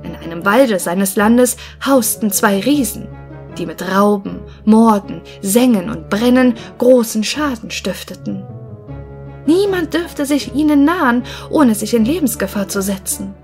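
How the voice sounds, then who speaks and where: A woman reads a classic fairy tale aloud in a calm, deliberate way. She takes her time over each sentence, and faint music plays quietly underneath. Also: fairly high pitch. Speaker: audiobook narrator. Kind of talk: fairy-tale audiobook reading.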